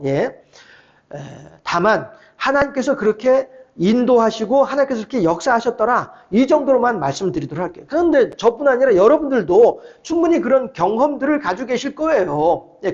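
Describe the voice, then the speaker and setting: A man's voice: extremely high pitch, darkish tone, highs cut off. A middle-aged male pastor preaching a midweek sermon in a conversational way, often putting questions to the congregation.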